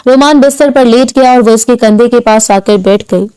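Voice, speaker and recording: Brief: female audiobook narrator, soft measured delivery, mellow tone, slightly high. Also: clear, resonant tone, rough recording.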